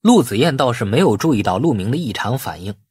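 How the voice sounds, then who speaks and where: Animated male audiobook narrator, slightly husky. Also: mid-range voice, quick pace, no room sound, studio quality. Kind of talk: scripted novel narration.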